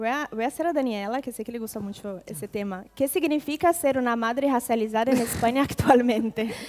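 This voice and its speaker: With a Brazilian accent, a woman talks at a fairly quick pace in a high pitch, with ordinary pitch variation, big swings in loudness and hardly any pauses, over noticeable background noise. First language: Portuguese (speaking Spanish). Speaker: event moderator. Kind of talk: panel discussion moderation. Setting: public event with live audience.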